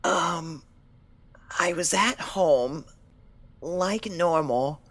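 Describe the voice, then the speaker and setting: Storybook role: shy, unwell girl pony, soft and hesitant, creaky and breathy, forever apologising. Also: lowish voice, drawn-out words, no echo, exaggerated voice. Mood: meek, anxious. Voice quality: breathy, husky whisper-prone voice. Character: timid, anxious, sickly young female pony, soft-spoken.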